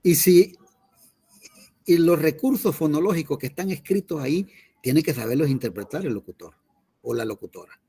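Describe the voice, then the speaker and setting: A man's voice: a little high, moderate pace, pauses often, warm tone, slightly rough. A man, a teacher lecturing his class in an online lesson, explaining patiently and often checking in with his students.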